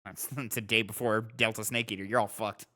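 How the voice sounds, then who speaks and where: A man's voice: fairly low pitch, steady tone, a little fast, bright, forceful tone. A man co-hosting a casual gaming podcast, chatting in an argumentative way and swearing casually. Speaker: podcast co-host.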